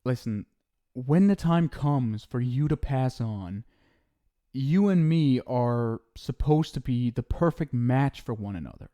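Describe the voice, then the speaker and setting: A man's voice: mid-range voice, animated, slow pace, mellow. A man playing an affectionate, centuries-old ghost soulmate in an intimate ASMR roleplay, speaking casually and hesitantly. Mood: tender, reassuring. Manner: casual, hesitant, tender, reassuring.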